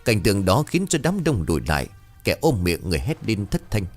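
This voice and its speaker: A man narrating a dramatic folk tale with an expressive, swooping delivery. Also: lowish voice, fairly quick, soft background music.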